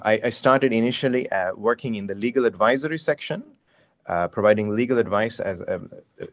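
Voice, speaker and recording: Halting, low-voiced man on a video call. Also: no room sound, clean studio sound. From Sri Lanka. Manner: hesitant, many fillers and restarts. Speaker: prosecutor. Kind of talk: webinar panel talk. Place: bright office room, indoors. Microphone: video call webcam.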